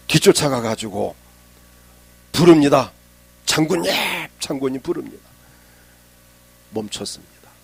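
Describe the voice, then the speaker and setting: A middle-aged male pastor preaching a sermon, retelling a Bible story and acting out the characters' lines, with sudden loud emphasis and hushed low phrases. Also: creaky, husky.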